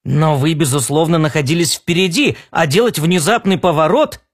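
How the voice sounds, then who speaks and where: A man's voice: on the high side, moderate pace. A man doing a cheerful, polite driver. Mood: genial. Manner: courteous, genial.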